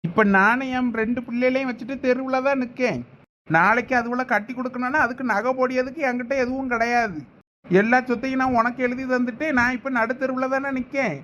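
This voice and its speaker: A man's voice: very high voice, fairly even intonation, brisk, sharp tone. A man playing an insistent, aggrieved middle-aged brother demanding his property back, with a Thoothukudi Tamil accent. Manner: insistent, complaining. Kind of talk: village comedy skit acting.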